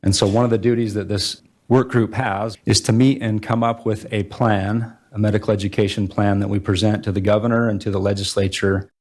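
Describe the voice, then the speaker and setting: Low-voiced American man, flat delivery. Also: fairly quick. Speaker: state legislator and committee co-chair. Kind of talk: public remarks at a meeting.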